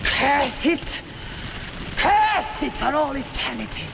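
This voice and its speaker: A woman's voice: high-pitched, big pitch swings, slow, gravelly, exaggerated voice. An actress playing a defiant, vengeful condemned witch fervently pledging herself to the devil in a theatrical 1960 horror film style. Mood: vengeful, intense. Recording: noisy old horror film soundtrack.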